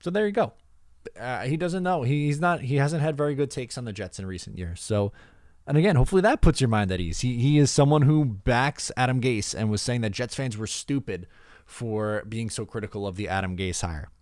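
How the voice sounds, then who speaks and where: A man's voice: mid-range voice, lively intonation, a little fast, a little mellow, dry recording, clean studio sound. A man hosting a podcast, talking sports casually and giving blunt, opinionated answers. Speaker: podcast host answering voicemails.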